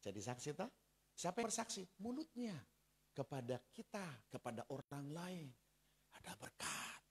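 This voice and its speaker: Male pastor, mid-pitched, animated storytelling sermon aimed at the congregation. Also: breathy edge. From Central Java, Indonesia.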